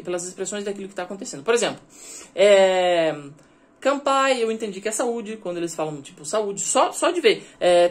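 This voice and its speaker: Chatty man explaining casually. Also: high voice. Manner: chatty, checks in with the listener often. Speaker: language-learning vlogger. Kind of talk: casual educational vlog.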